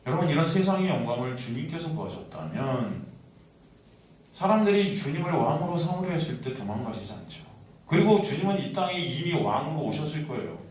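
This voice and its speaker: A man's voice: fairly high pitch, sing-song, a little fast, a little hiss or hum. Male pastor, Seoul Korean accent, dramatic sermon, roomy church echo, mic off at a distance. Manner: dramatic swings from soft to loud, acting out voices. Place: church sanctuary.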